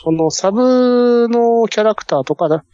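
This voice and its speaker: A man's voice: very high voice, animated, measured pace, dark tone, clear, resonant tone. A man explaining casually but politely as a knowledgeable fan, in hesitant, piecemeal phrases. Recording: slightly dull lo-fi audio.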